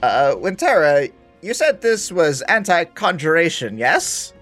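A man voicing a wary female mage who speaks in a low, hushed, measured way. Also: very animated, faint music behind, exaggerated voice. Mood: uneasy.

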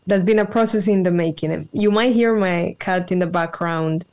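A Colombian woman, a spiritual practitioner, tells her story as an interview guest over a video call from a home room with a cat. She is thoughtful and earnest, using fillers, with a lowish, slightly mellow voice at normal speed.

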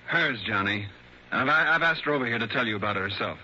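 A man's voice: medium pitch, expressive, fast talker, bright, forceful tone. An actor playing a jovial, chummy male insurance executive with knowing asides, in a 1960s radio drama. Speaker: insurance company man. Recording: dull old radio broadcast with faint hiss.

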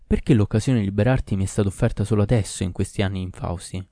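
A man's voice: lowish voice, fast, dark tone, no room sound, close to an everyday voice. Humble fisherman, as a man reads him, storybook, earnest, pleading, dry close sound. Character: poor humble fisherman, desperate yet cunning.

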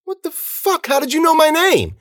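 A man's voice: fairly low pitch, wildly swooping pitch, a little slow, a bit bright, slightly rough, no room sound, studio quality, voice pushed up, heavily acted. A man voicing a cruel, volatile male thug's sidekick who talks crudely, in a story reading. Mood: alarmed. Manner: crude, taunting.

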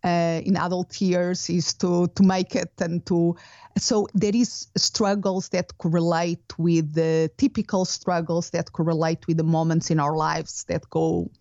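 A woman with a Portuguese accent speaks as an interview guest, her voice low and mellow. She picks her words carefully and often restarts her phrases. The remote audio sounds slightly muffled. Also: flat delivery, measured pace, dry recording. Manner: thoughtful, with restarts and non-native grammar. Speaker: guest, business coach. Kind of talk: casual interview talk.

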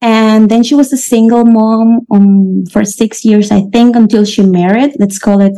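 Woman in her thirties, gravelly fry, warm dark tone, earnest reflective storytelling. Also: a little high, fairly even intonation, measured pace, poor audio. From Venezuela. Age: 30s. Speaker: interview guest. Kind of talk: personal storytelling interview.

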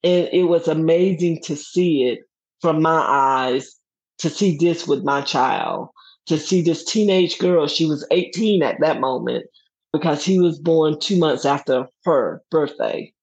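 Middle-aged woman, lively storyteller, dull sound. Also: deep voice, unhurried, husky. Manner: lively, laughs often, acts out quoted voices. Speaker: guest. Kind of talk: personal storytelling. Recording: dull lo-fi recording.

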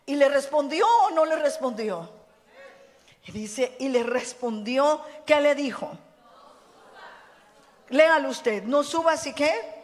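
A woman's voice: high voice, slow pace, long pauses. Woman pastor preaching in a reverberant hall. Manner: preaches with call-and-response questions to the congregation. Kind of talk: sermon. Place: church hall. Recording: long reverb of a church hall.

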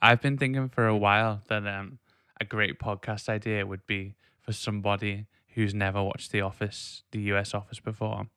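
A man's voice: lowish voice, little pitch movement, normal speed, hardly any pauses, sharp tone, clear, resonant tone, no room sound, studio quality. A man hosting a podcast, chatting casually and laughing easily. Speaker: podcast host. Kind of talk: casual chat.

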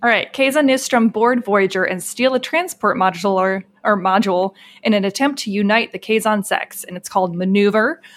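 A woman co-hosting a casual episode-review podcast. She speaks at a middle pitch in a relaxed, conversational manner. She talks through plot summaries and opinions. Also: normal speed, hardly any pauses. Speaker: podcast co-host.

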